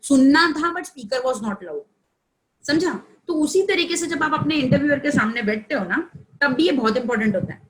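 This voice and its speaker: A woman's voice: high-pitched, brisk, poor audio. A woman trainer giving an online training session over a headset, explaining in a conversational way, mixing in English and asking the audience questions. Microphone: headphones on a video call.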